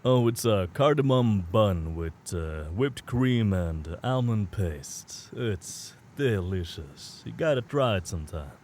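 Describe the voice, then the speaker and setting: Protective Swedish-accented werewolf male actor, easygoing and low-pitched, audio drama with faint ambience. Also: expressive, slow, hardly any pauses, a little mellow, slight background noise. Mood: warm, reassuring. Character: protective, good-natured Swedish alpha werewolf's mate. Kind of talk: scripted audio drama acting.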